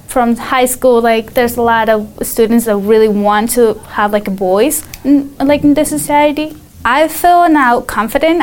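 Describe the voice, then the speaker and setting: A teenage girl from Mexico who debates as a student gives casual interview answers in a slightly high, slightly mellow, smooth voice. Spanish is her first language, and she speaks hesitantly, filling her talk with lots of "like."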